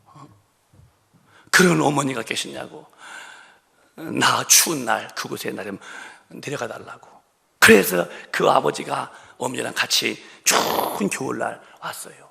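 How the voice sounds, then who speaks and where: A man's voice: medium pitch, unhurried, gravelly, pushed and bright. A male pastor preaching a sermon in a church, telling an emotional story and breaking it up with rhetorical questions. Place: church sanctuary.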